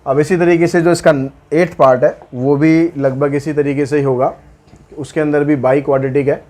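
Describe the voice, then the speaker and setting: A man's voice: a little high, steady tone, normal speed, dark tone. A male math teacher giving a casual blackboard lesson, teasing his students and stepping through the working one step at a time.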